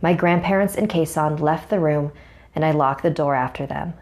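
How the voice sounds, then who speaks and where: A young woman telling a scary first-person story in a measured, suspenseful way, narrating over a music bed. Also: deep voice, a little mellow.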